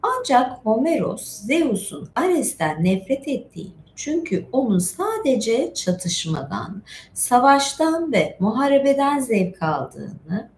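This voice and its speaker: Echoey, animated woman telling myths. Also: fairly high pitch. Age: middle-aged. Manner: chatty, digressive, with asides. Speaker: storytelling stream host. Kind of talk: informal live reading and retelling of myths. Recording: echoey room with faint background noise.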